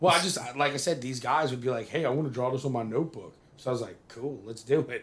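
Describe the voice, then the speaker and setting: Noticeable background noise behind a man talking at a very fast pace. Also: medium pitch for a man, ordinary pitch variation. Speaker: podcast host.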